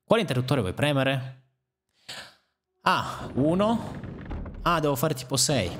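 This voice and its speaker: A young man giving let's play commentary over a game, excitable, swearing at and mocking enemies, his voice jumping into sudden high yelps. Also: fairly quick, background noise. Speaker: gaming YouTuber.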